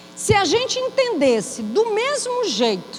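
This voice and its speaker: Against noticeable background noise and audible room echo, a woman talks at a very slow pace. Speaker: pastor. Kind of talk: sermon. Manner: animated.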